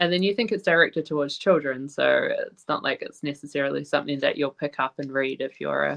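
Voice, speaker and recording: The speaker has a New Zealand accent and talks at a very fast pace. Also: woman. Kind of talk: interview answer.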